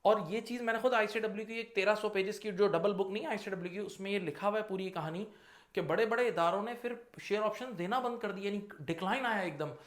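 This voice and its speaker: A man's voice: sits high, quick pace. Man teaching accounting, roomy echo. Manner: conversational, acts out dialogues in explaining. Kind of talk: lecture to students.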